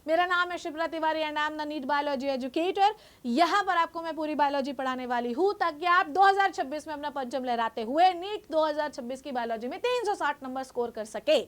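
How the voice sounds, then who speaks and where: A woman's voice: sits high, animated, brisk, fairly bright tone. A woman, a biology exam educator, guiding students directly and reassuringly while mixing in English terms. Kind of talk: exam guidance talk to students.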